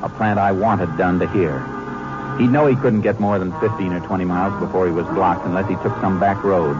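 A man's voice: deep voice, brisk, close to an everyday voice. An actor playing a steely, commanding Texas Ranger lawman in a 1950s radio western drama. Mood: tense, narrating. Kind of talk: 1950s radio drama acting and first-person narration. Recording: dull vintage 1950 radio recording, music.

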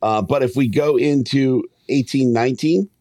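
A man's voice: medium pitch, normal speed, a crowd in the background. A man co-hosting a sports podcast, moving between casual banter and informal ad reads.

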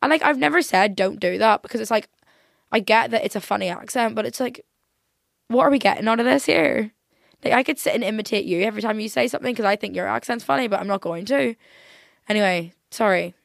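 A young woman with a softened Northern Irish accent, chatting casually in a rambling, exaggerating way as a podcast host. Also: medium pitch, quick pace, vocal fry, no room sound, studio quality. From Northern Ireland. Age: young adult.

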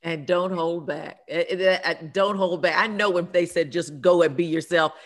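A woman talk show host with a Southern US accent, a loud voice and a big laugh, talking in a lively, folksy way. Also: lowish voice, moderate pace, no room sound, clean studio sound. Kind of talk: casual chat and promo.

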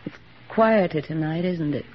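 A woman's voice: sits low, normal speed, slight background noise, close to an everyday voice. A woman playing an earnest young army nurse in a 1940s radio drama, speaking with heartfelt sincerity. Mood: quiet. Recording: dull old radio broadcast recording.

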